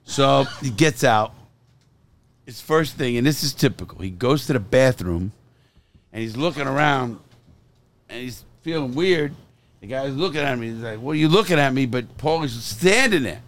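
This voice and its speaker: A man hosting a casual podcast in an RV, a loud, laughing storyteller who jokes and swears freely. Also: mid-range voice, animated, normal speed. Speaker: podcast host. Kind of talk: casual chat.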